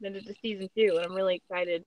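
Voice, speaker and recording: A woman's voice: medium pitch, fairly even intonation, rapid-fire, darkish tone. A woman guest-hosting a podcast, chatting casually and self-deprecatingly, on a slightly lo-fi recording. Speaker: guest host, writer and podcaster. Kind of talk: casual chat.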